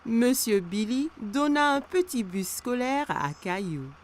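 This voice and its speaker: A woman's voice: a little high, animated, unhurried. A woman reading scripted narration for a children's cartoon story. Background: background music.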